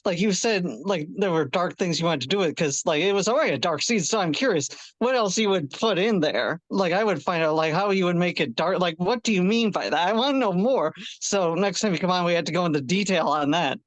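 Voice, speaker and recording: A man's voice: high-pitched, animated, a little fast, few pauses, dry recording, low-quality recording. A man on a fan panel chatting informally in a gushing, affectionate way. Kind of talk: casual chat.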